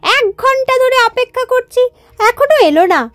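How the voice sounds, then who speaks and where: Fussy, scornful cartoon wife, played by a woman; high and animated, dry booth. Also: normal speed, no echo. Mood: grumbling. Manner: complaining, scornful. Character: fussy, grumbling wife of a stingy man. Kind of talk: cartoon voice acting.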